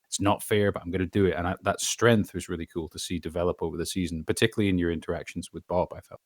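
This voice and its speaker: A man's voice: sits low, fairly even intonation, rapid-fire, dry recording. A man speaking as a voice actor in a casual interview, thinking aloud with hesitant starts and thoughtful elaboration. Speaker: voice actor, podcast guest.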